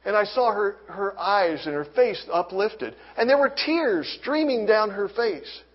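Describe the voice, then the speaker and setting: Man with a high voice sharing a faith testimony, earnest, restarts often, reads scripture; dull lo-fi recording. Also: expressive, measured pace. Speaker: testimony speaker.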